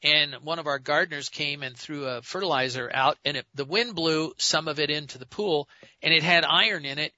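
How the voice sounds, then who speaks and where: A man in his sixties talks earnestly on a health radio program, his voice bright and forceful. The sound is dry, with no room echo. It has the dull, narrow band of an old radio broadcast. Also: a little high. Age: 60s. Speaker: radio host. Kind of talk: health talk radio sponsor segment.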